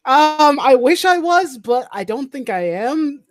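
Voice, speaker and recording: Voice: sits high, lively intonation, measured pace. A streamer hosting a casual chat, telling anecdotes and laughing often. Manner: chatty storytelling, laughs often. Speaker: streamer host.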